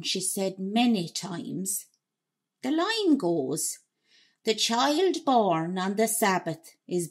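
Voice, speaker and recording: An actress playing a cheerful, reflective elderly Irish woman who tells her memories in a wistful, conversational way in a radio drama, with an Irish accent and a husky voice. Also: mid-range voice, a little mellow.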